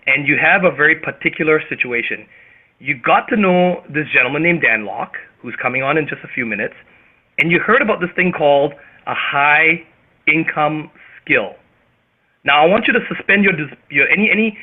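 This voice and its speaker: A man with a Canadian accent hosting a motivational group conference call, speaking emphatically and theatrically with dramatic pauses. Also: fairly high pitch, husky. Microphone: phone or web conference call. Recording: tinny phone-line radio sound.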